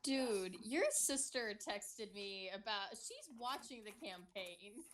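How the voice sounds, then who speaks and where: A woman player in casual chat at a tabletop game, animated and quick to giggle. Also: mid-range voice.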